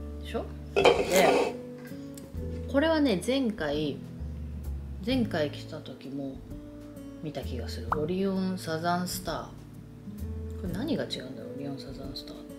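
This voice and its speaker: A woman talks at a moderate pace, leaving long, frequent pauses. Clear music plays in the background. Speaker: vlogger. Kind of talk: casual vlog chat. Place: home room. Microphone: camera far.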